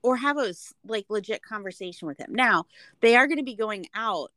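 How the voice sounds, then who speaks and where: A woman's voice: mid-range voice, expressive, brisk, bright, forceful tone, no room sound. Playful woman co-host on a dry, close recording. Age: middle-aged. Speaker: podcast co-host. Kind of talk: casual reality TV recap chat.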